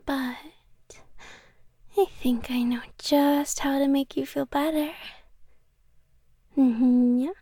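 A woman voicing a sweetly obsessive young cat girl in an ASMR roleplay, whispering softly and intimately. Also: high-pitched, fairly even intonation, slow, long pauses, dry recording. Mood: doting whisper. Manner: soft whispering, close and intimate.

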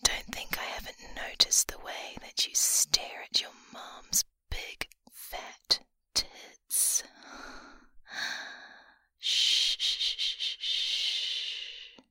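A woman whispering slowly and intimately into a close microphone, with a breathy voice and frequent sighs. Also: sharp tone, dry recording. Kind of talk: whispered ASMR-style roleplay.

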